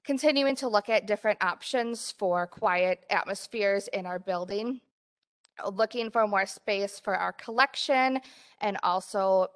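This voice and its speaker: A library director presents her report at a board meeting, upbeat and using frequent fillers, speaking into a desk mic in front of her in a meeting room. Her voice is mid-range and a bit bright.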